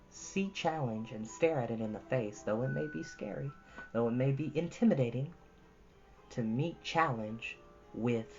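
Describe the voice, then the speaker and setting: A woman with a very low voice hosts a storytime, moving between chatty asides and expressive reading. She is earnest and encouraging. The recording is a little dull, with music underneath. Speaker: storytime host and reader. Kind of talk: casual chat and expressive book reading. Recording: dull lo-fi audio with music behind.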